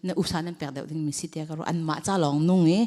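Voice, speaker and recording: A woman's voice: low voice, fairly even intonation, racing, dark tone. A woman leading a church training session, talking conversationally to a group. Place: church hall. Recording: long hall reverb.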